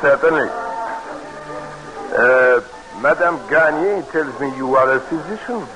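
A suave French minister. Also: male voice, on the high side, lively intonation, a bit bright, soft background music, poor audio. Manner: suave, slow, flirtatious. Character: flirtatious French government minister, middle-aged man. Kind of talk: 1940s radio acting. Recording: old radio broadcast.

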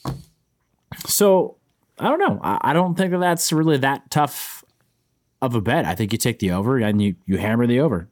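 A man's voice: medium pitch, expressive, moderate pace, pauses often, darkish tone. A man co-hosting a sports podcast, giving his casual, off-the-cuff commentary.

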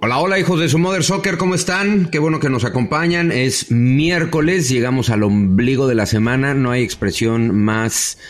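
A man's voice: mid-range voice, normal speed, few pauses, faint music behind. A Mexican man hosting a podcast, teasing his guests and swearing playfully. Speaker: podcast host. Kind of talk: casual podcast banter.

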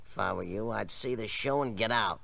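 A man's voice: lowish voice, brisk, creaky, pushed and bright, no echo, exaggerated voice. An American actor playing a brusque, suspicious theater manager in his thirties in a vintage radio drama. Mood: guarded, irritated. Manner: brusque, guarded. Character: curt, suspicious burlesque theater manager, man of thirty-five. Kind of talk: 1940s-50s radio drama acting.

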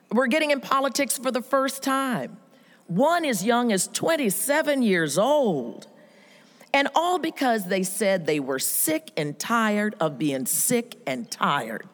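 A woman giving an emphatic motivational speech, telling stories with lively quoted voices. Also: a little high. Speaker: speaker at a women's event. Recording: reverberant hall.

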